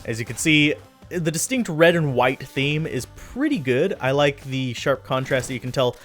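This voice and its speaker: A man talks through his own gameplay in a relaxed, chatty way, laughing at his own mistakes and drifting off topic now and then. His voice sits at an ordinary middle pitch. Light game music plays quietly behind him. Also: moderate pace. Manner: chatty, self-deprecating, easily sidetracked. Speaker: let's play commentator. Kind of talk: casual gameplay commentary.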